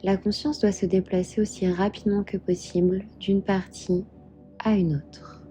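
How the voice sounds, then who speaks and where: A woman guiding a meditation as a yoga instructor, calm and soothing, giving measured instructions. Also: medium pitch. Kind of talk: guided meditation narration. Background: soft background music.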